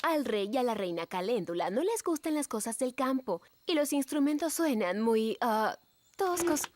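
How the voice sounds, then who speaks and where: A woman's voice: on the high side, lively intonation, normal speed, darkish tone, slight background noise, natural voice. A woman with a Latin American Spanish accent playing a fussy, enthusiastic cartoon character with an emphatic delivery. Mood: concerned.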